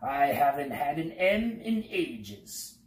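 A storybook reader voicing a little round, fussy male census taker who briskly rattles off long lists of questions in an officious tone. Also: mid-range voice, sing-song, darkish tone, reverberant. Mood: pleased.

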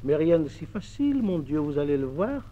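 A man voicing a humble young apprentice blacksmith who speaks quietly and gently, on an old mono record. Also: a little high, very animated, a little fast. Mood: calm. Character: calm, humble young apprentice smith, a boy. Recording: dull 1950s mono record.

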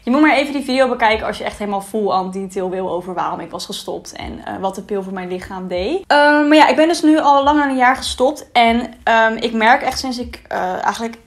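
A young woman speaks in a slightly high voice. She talks casually, like girl talk in a vlog, while she eats, so her mouth is sometimes full as she speaks. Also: a little fast, few pauses. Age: 20s. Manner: talking while eating, at times with mouth full. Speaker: vlogger. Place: small bright room indoors, seated at a table.

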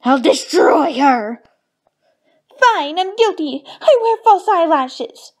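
Cartoon pony fashionista: high, very animated female voice, refined and vain, theatrically melodramatic. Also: takes it slowly, full character voice. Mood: fierce, indignant. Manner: theatrical, refined, affected ladylike diction. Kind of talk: fan voice reel of cartoon lines.

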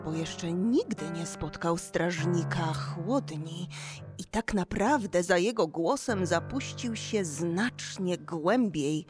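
A woman narrating a children's story as the storyteller of an audio play. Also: fairly low pitch.

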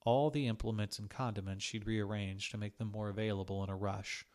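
A man reads fiction aloud as an audiobook narrator. His voice sits fairly low, and he delivers scripted narration. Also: fairly even intonation, brisk, a little mellow. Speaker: audiobook reader. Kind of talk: scripted short story narration.

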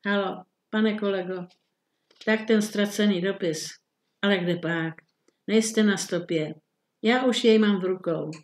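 A woman's voice: lowish voice, darkish tone, echoey room, lightly acted. A woman reading the part of a flustered middle-aged male government minister, muttering and bewildered. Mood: booming.

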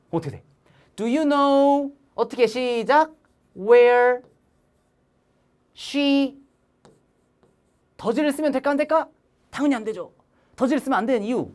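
A woman giving a lively online grammar lesson, teaching in an animated, playful way with sing-song cues to her students. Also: medium pitch.

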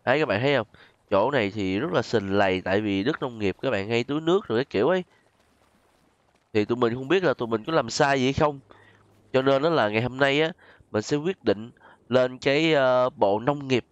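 Southern vietnamese guy doing casual gaming commentary, chatting to viewers, mid pitch, kinda muffled dry mic. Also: dry recording. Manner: conversational, addresses viewers directly with frequent tag particles. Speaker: gaming channel host. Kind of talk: casual game role-play commentary.

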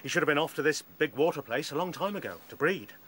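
A man's voice: a little high, expressive, quick pace, fairly bright tone. An actor with a British accent playing a blunt, hearty male rabbit in a radio play. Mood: matter-of-fact. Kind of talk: radio drama acting.

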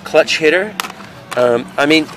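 A man's voice: a little high, expressive, measured pace. Man, casual rambling reseller, handheld camera outdoors, noisy street background. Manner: rambling, thinking aloud, many fillers. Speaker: video game reseller. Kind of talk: casual handheld vlog narration. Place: outdoor parking lot flea market.

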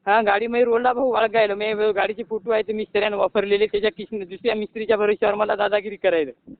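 A man's voice: sits high, level tone, fast, vocal fry, no room sound. A man from Maharashtra calling for help, pleading and rambling, repeating himself often. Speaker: caller asking for help. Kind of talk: distressed phone call. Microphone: phone call. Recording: tinny phone line.

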